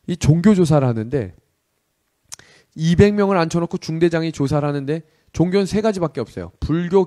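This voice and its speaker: Male pastor, high voice, preaches through a personal story and acts out the scenes. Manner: storytelling, acts out shouted army commands; asks the congregation questions.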